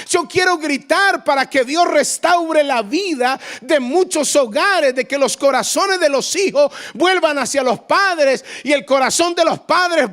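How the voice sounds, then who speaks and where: A middle-aged male pastor preaching a fervent sermon, often rising to shouts. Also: very high voice.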